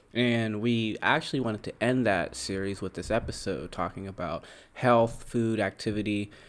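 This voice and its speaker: In a very clean recording with a silent background, a man with a plain, everyday voice speaks at a moderate pace, his pitch fairly low and its variation ordinary. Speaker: podcast co-host. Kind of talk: casual podcast conversation.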